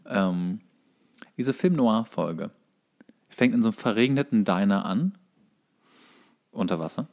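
A man's voice: fairly low pitch, expressive, measured pace, darkish tone. A man co-hosting a podcast, chatting casually as he retells cartoon episodes. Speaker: podcast co-host.

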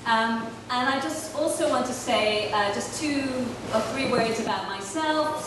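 A woman raised in Ireland giving an academic keynote lecture at a panel table, speaking in a measured, thoughtful way with frequent fillers. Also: fairly high pitch. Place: large hall, on stage at a panel table. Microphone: table microphone, heard from far off. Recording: echoey hall from far off, noisy.

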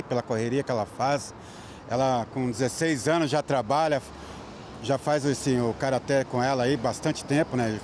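A man's voice: mid-range voice, a little hiss or hum. A man in his forties with a Southern Brazilian accent, speaking proudly and loosely into a handheld mic outdoors. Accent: Southern Brazilian Portuguese. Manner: warm, proud, rambling with fillers. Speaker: athlete's father, interviewee. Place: outdoors by a street. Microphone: handheld reporter mic.

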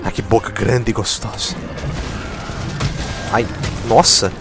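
A man with a lowish voice and slow pace provides casual commentary while playing a video game, faint music in the background. Excitable and foul-mouthed, he cracks jokes at the game throughout.

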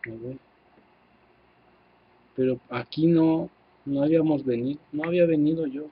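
A man with a Mexican accent giving casual, excitable gameplay commentary, swearing freely and talking to his viewers. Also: a little high, normal speed, muffled recording, a little hiss or hum. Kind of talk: casual let's-play commentary.

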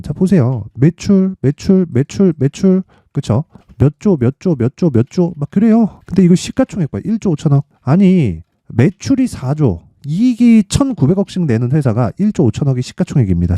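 A man hosting an informal stock market commentary, emphatic and full of rhetorical questions and tag questions as he pitches his picks. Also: mellow, no room sound, clean studio sound. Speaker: stock trading channel host.

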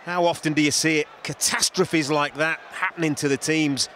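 A man giving measured football co-commentary, stressing key words by repeating them. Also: a little high, fairly even intonation, a bit bright, slight background noise. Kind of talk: football match analysis.

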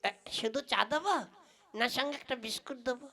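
Woman playing a high, cheeky village tea seller man. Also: a little fast, bright, forceful tone. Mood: teasing, stalling. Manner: exaggerated, teasing, long-winded. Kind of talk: comic Bengali folk puppet play.

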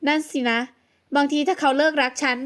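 A woman voicing a young model, a caring ex-wife who speaks softly, coaxingly and very politely. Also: high-pitched, fairly even intonation, brisk.

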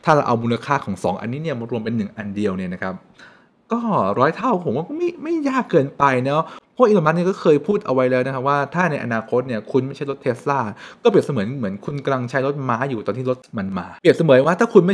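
A young man hosting a finance channel, explaining stock news to camera in an animated, chatty way from a room at home. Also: medium pitch. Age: young adult. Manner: animated, chatty, frequent polite particles. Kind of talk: casual explainer talk to camera. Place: home room with shelves, indoors.

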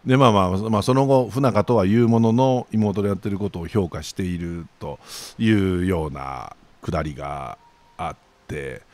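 A man's voice: low-pitched, normal speed, a little mellow, no room sound. A man with a Kansai accent giving a chatty newspaper commentary, full of jokey asides.

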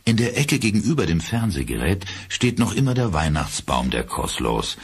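Deep, husky male audiobook narrator. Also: sing-song, moderate pace. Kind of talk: scripted horror audiobook narration.

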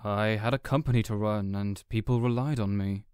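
A man's voice: on the low side, steady tone, moderate pace, darkish tone, smooth, no room sound, studio quality, lightly acted. A man playing a gloomy, self-doubting male supervillain businessman in an audio roleplay, speaking in a hesitant, reserved way. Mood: resigned. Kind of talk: character audio roleplay acting.

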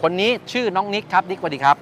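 A man's voice: high-pitched, expressive, rapid-fire, fairly bright tone. A man hosting a casual review and interview, explaining things and checking back with his guest. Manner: explanatory, repeats and confirms the guest's answers. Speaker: host, motorcycle reviewer. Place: at a shop beside traffic. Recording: outdoor noise, vehicles behind.

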